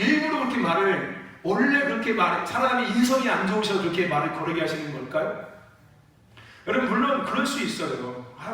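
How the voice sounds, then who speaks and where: A high-pitched man preaches a sermon with a lively, swooping voice that often climbs into shouts. His voice is bright and sharp. He sounds far from the mic, in a church with heavy echo. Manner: animated preaching, rising to shouts, calls for amens. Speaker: pastor. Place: church sanctuary. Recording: echoey church hall from far off.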